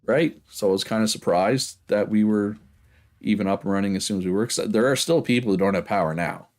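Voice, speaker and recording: A man streaming a game talks casually and rambles on to his viewers, often adding "right?". He has a Prince Edward Island Canadian accent, a lowish darkish voice, and a fairly quick pace.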